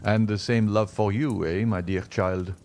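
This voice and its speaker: Man doing a kindly middle-aged doctor, low voice, slow soothing delivery, faint ambience. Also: steady tone, a little mellow, slight background noise. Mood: calm.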